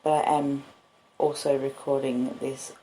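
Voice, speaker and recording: With a rumbling low, mellow voice and a flat delivery, this Australian woman chats live and reads literary stories at an easy, cosy pace. She's a podcaster and audiobook reader. Her basic home recording on laptop and phone microphones carries a roomy echo.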